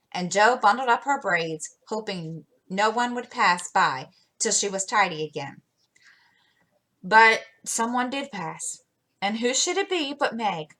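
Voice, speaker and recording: A woman reading a classic novel aloud as a storyteller, with expressive delivery and occasional slips. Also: medium pitch, low-quality recording.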